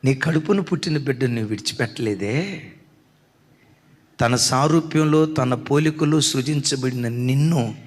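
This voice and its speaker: Grave wise old king, sermon story voiced by a male preacher, low solemn delivery, distant hall echo. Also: measured pace, close to an everyday voice.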